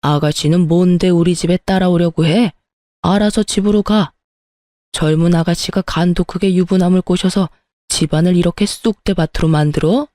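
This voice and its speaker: A woman's voice: on the low side, steady tone, normal speed, mellow, dry recording, clean studio sound, close to an everyday voice. A woman voicing a stern older father-in-law who scolds his cheating son and sends the mistress away. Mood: cold.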